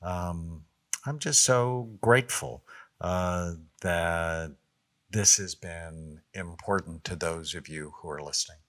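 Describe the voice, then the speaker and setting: Slow-talking, low-voiced man on a podcast. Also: a bit bright. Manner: slow, measured, thoughtful. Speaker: podcast co-host. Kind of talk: casual conversational podcast.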